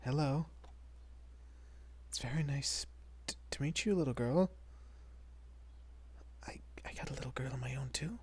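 A man playing a shy, nervous young vampire father in a romantic audio roleplay, stammering and soft-spoken, often dropping to a near-whisper. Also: medium pitch, a little slow, long pauses, slightly rough. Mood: shy, touched.

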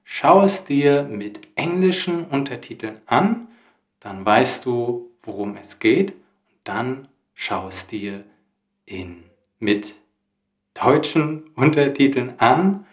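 A man hosting a German lesson, speaking slowly and carefully to learners. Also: medium pitch, expressive, reverberant. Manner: deliberate, careful phrasing for learners. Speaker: German teacher, host. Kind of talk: slow, clear teaching talk to learners.

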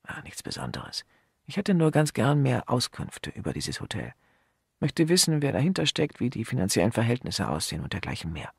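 A man's voice: medium pitch, huge pitch swings, fairly quick, gravelly, slightly rough, dry recording, studio quality, heavily acted. Man voicing a shrewd, jovial old chief inspector. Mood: thoughtful. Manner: genial, evasive.

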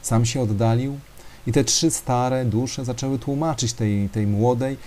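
Man telling a story to his audience, dark mellow voice, lots of ums. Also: mid-range voice, fairly even intonation, measured pace. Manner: hesitant with fillers, addresses listeners. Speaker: speaker.

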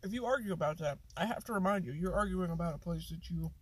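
A man's voice: high voice, fast, slightly rough. A young man talking with his mouth full during a casual taste test, blunt and rambling. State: talking while chewing. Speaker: food vlogger.

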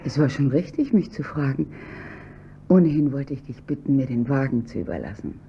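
An actress playing a cold, scheming wealthy wife in a radio play, curt and commanding. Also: female voice, rumbling low, lively intonation, fairly quick, muffled recording, slight background noise. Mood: weary.

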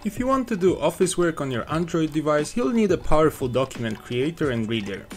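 Lively young man reviewing apps. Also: on the high side, fairly quick, faint music behind. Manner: upbeat, clear product walkthrough. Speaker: app reviewer. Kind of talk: scripted voice-over narration.

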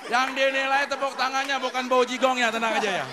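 Speaking fast in a very high, level-toned voice, a middle-aged man emcees a stand-up comedy show on a TV studio stage, teasing the comics and cracking jokes. The handheld mic catches a noisy background of loud audience laughter and music.

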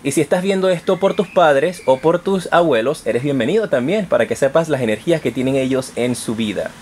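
A man's voice: mid-range voice, expressive, fairly quick, darkish tone, slight background noise. A man hosting an informal tarot horoscope, addressing viewers directly in an affectionate, encouraging manner. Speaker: tarot reader and channel host.

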